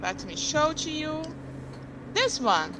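A woman's voice: high-pitched, big pitch swings, slow, background noise. A young woman from Brazil, tutoring on a headset over a video call and asking patient, curious questions. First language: Portuguese. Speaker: language tutor. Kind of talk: online tutoring session.

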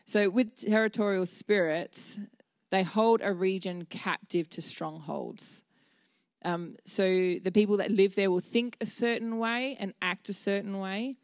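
A woman's voice: medium pitch, a little slow, no echo, clean studio sound. A woman, giving an earnest, candid, conversational sermon at church, speaking into a handheld mic. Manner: earnest, candid, with fillers and restarts. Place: dim church stage with a small seated audience.

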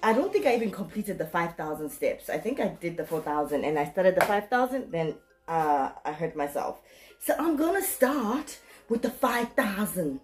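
A woman in her thirties chatting casually to viewers in a playful, animated, self-mocking way, recorded at home a step from the camera. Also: lowish voice, moderate pace, soft background music. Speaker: vlogger. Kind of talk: casual chatty unboxing vlog. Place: room at home.

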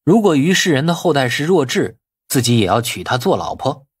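A man's voice: medium pitch, big pitch swings, brisk, husky, no room sound, clean studio sound. A man voicing a wily, outwardly deferential nephew in an audiobook, glib and colloquial in his arguing. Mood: indignant muttering. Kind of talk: audiobook character acting.

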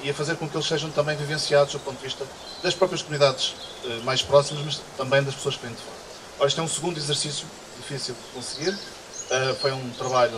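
A man in his forties with a European Portuguese accent gives a public speech as festival director in an outdoor garden, speaking earnestly into a stand microphone with frequent restarts and hesitations. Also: mid-range voice. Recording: distant mic, outdoor insect and bird noise. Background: insects buzzing and birds.

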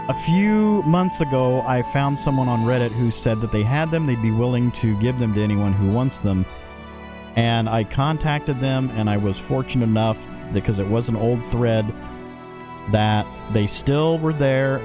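A man's voice: mid-range voice, unhurried, music in the background. A middle-aged man hosting an audio series, giving an informal introduction straight to his listeners.

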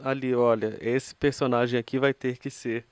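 A man's voice: medium pitch, little pitch movement, moderate pace, no echo. A Brazilian man hosting a conversational radio interview in an informal, joking manner.

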